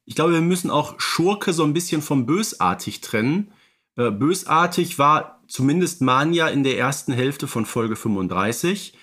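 A man's voice: fairly high pitch, lively intonation, normal speed, fairly bright tone. A man co-hosting a casual fan podcast, thinking aloud, hedging his points and turning questions back to his partner. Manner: thoughtful, hedging with "ich sag mal", asks his co-host questions. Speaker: podcast co-host.

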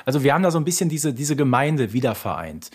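Male podcast co-host, husky medium-pitched voice, conversational yet meticulous in explaining. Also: very animated, fast, darkish tone. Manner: detailed, precise explaining. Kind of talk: casual fan podcast chat.

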